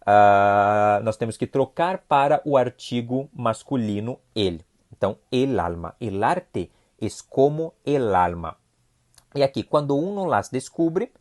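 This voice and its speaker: A man's voice: medium pitch, darkish tone. A man with a Brazilian Portuguese accent teaching a recorded Spanish review lesson, explaining patiently and often checking in with short questions.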